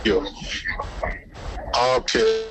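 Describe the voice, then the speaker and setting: A man's voice: mid-range voice, very animated, drawn-out words, noisy background. A man speaking over an online call whose audio keeps breaking up and dropping out. He keeps asking whether he can be heard.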